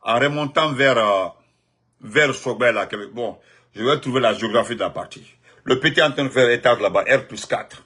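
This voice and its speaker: A husky man with a Guinean French accent, delivering spontaneous political commentary. His voice sits at a middling pitch. He repeats himself for emphasis and swings from loud outbursts to low muttered asides. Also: moderate pace.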